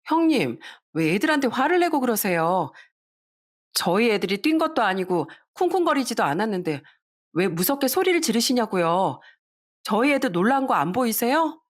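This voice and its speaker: A woman's voice: on the high side, sing-song, moderate pace. A woman voicing a polite younger daughter-in-law in a story radio drama, protesting with hurt indignation.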